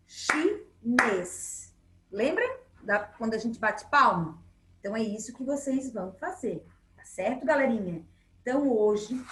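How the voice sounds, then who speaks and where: A woman's voice: on the high side, fairly bright tone. Patient Brazilian teacher woman, echoey room. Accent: Brazilian Portuguese. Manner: patient and encouraging, checking in with frequent "tá?". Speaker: primary school teacher. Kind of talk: recorded remote lesson for young children.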